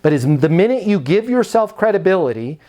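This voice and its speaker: A man's voice: sits high, very animated, brisk, dark tone. An American man coaching on sales in a conversational, instructive way, slipping into acted-out example dialogue.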